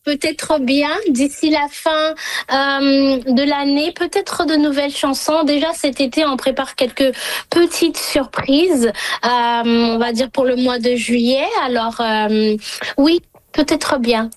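A middle-aged woman from Congo, a singer-songwriter answering interview questions thoughtfully, pausing often to find her words. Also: high voice, steady tone, no room sound. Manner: thoughtful, searching for words with many pauses.

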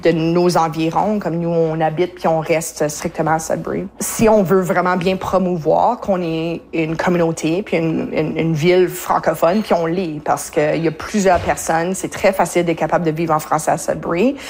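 A woman speaking as a parent in a radio interview, often pausing on fillers and restarting her sentences. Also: sits low, fairly even intonation, darkish tone, slight background noise. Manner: hesitant, many fillers and restarts.

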